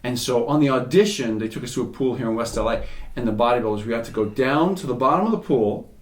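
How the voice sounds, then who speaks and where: A man hosting a podcast, chatting casually and telling stories with quick asides. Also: medium pitch. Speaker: podcast host. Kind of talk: casual interview chat. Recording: echoey room.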